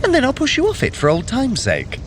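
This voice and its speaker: An actor playing a sarcastic, theatrical trickster god in an audio adventure drama. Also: male voice, very high-pitched, huge pitch swings, fairly quick, noisy background, exaggerated voice. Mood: teasing. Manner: sardonic, theatrical. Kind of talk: audio drama acting for a running app.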